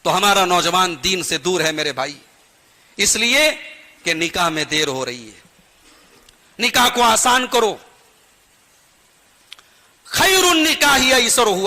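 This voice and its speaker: High, bright-voiced man preaching in a hall. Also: lively intonation, normal speed. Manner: earnest, pleading and admonishing; rhythmic rising emphasis with sing-song repetition. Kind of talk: sermon to a gathering. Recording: long hall reverb.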